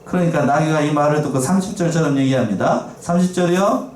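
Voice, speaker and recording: A man's voice: a little high, fast, a little mellow, slight background noise. A man preaching a sermon as pastor, asking the congregation questions and reading scripture aloud. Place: church sanctuary. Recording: echoey church, mic at a distance.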